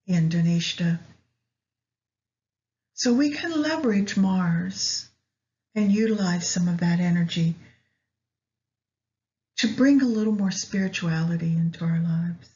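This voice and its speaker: Slow, mellow woman guiding meditation. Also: on the low side, lively intonation, muffled recording. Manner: measured, pausing between short phrases. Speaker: meditation guide. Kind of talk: guided meditation with astrology commentary.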